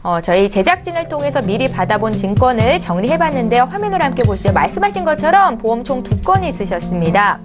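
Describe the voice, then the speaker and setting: A woman presenting a studio advice show, her pitch sitting a little high and moving a lot as she talks. She is polite and formal, and music plays faintly behind her. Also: fast talker, hardly any pauses. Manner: polite, formal, lively delivery. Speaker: show host. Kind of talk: broadcast presenting.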